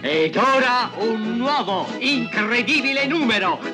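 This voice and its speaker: A man's voice: very high-pitched, animated, takes it slowly, exaggerated voice. An actor playing a pompous traveling showman who barks at a crowd, in a dubbed 1960s western. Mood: showy. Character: loud huckster showman, old man, pompous. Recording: film soundtrack with music behind.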